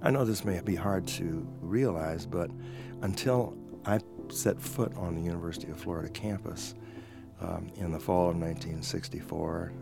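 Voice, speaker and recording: A man in his seventies telling a personal story in a measured, reflective way. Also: sits low, creaky. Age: 70s. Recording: instrumental music underneath.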